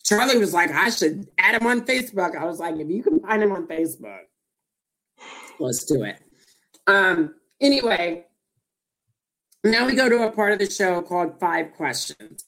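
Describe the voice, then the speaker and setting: A woman with a Southern US accent, hosting a casual chat show and telling a lively story. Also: on the low side. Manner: animated storyteller acting out quoted dialogue. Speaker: podcast host.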